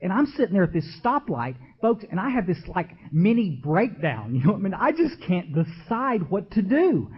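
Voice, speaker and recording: A man's voice: sits high, sing-song, normal speed, hardly any pauses, husky. A man, giving an emotional recovery talk from a podium and speaking straight to the crowd in a folksy way. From Texas. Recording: dull lo-fi archival tape.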